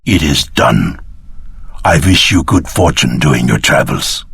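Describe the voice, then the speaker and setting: An actor voicing a solemn, courteous male ruler in a video game, speaking formally and deliberately. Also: rumbling low, expressive, creaky, fairly bright tone, slightly rough, dry recording, studio quality, heavily acted. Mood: solemn, grateful.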